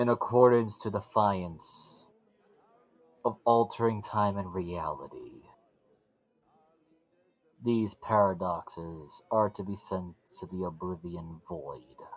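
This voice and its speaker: In a put-on character voice, a man sounds loud, booming and robotic, fairly low in pitch, at a fairly slow pace with long, frequent pauses. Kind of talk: formal, authoritative.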